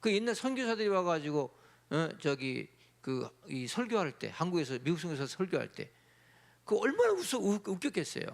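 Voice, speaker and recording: A man with a high voice swings very widely in pitch while keeping a moderate pace. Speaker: pastor. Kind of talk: sermon-style lecture. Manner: animated; casual.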